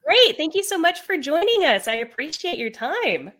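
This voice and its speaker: A woman's voice: high-pitched, sing-song, normal speed, a bit bright. Upbeat woman hosting a podcast. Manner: upbeat and enthusiastic. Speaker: podcast host. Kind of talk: casual interview hosting.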